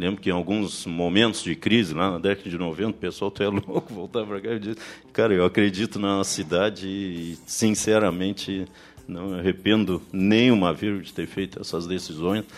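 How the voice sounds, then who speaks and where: Over music in the background, the speaker keeps a moderate pace and a fairly even intonation. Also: man, fairly low pitch for a man. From Pelotas, Rio Grande do Sul, Brazil. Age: 50s. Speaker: council president. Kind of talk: radio interview. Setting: radio studio.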